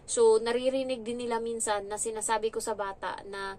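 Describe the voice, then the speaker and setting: A woman's voice: fairly high pitch, a little fast. A young adult woman from the Philippines who works as a domestic helper, telling a frank, chatty story in a casual vlog. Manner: chatty, frank, animated when retelling.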